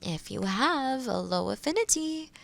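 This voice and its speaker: A woman playing a kind, skilled witch in an intimate roleplay audio drama, gently reassuring, with soft near-whispers and thoughtful murmurs. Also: on the high side, lively intonation, unhurried, creaky, heavily acted. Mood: patient explaining.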